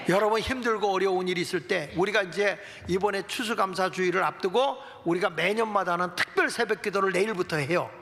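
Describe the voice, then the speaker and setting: A middle-aged male pastor preaching a sermon, telling Bible stories in an animated way and acting out prayers and taunts. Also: sits high, big-room sound.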